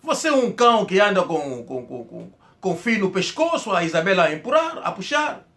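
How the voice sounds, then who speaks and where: A man delivers a heated political monologue. His voice sits high, and he speaks emphatically and accusingly, often catching on a word and repeating it before pushing on. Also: sing-song, normal speed, a bit bright. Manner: emphatic, accusatory, repeats words when stumbling. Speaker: political commentator.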